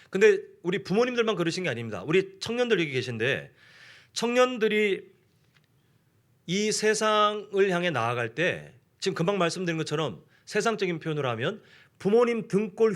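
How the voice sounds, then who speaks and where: A man preaching a sermon in a church, talking conversationally and putting questions to the congregation. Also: fairly high pitch. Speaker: pastor. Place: church sanctuary.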